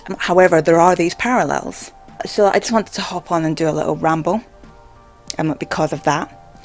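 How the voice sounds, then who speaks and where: Faint music plays behind a medium-pitched voice going at a moderate pace. A vlogger with a stammer rambles casually and haltingly to camera, sprinkling in "like" often.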